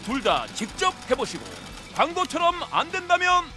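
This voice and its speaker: A woman delivers an infomercial pitch in a high, very animated voice. She sells emphatically in short, punchy scripted phrases, with music playing behind her. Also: normal speed. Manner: emphatic, punchy selling with catchy sound words. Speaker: infomercial announcer.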